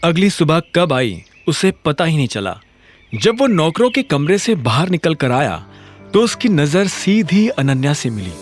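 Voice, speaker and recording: Expressive high-voiced male narrator. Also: a little slow, faint music behind. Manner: expressive storytelling. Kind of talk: Hindi audio drama narration.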